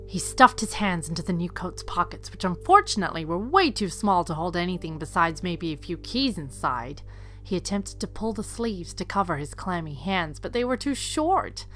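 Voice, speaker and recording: A woman with a fairly low voice narrates an audio drama over faint music. Her delivery is scripted storytelling, as the narrator of the piece. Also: big pitch swings, moderate pace, fairly bright tone.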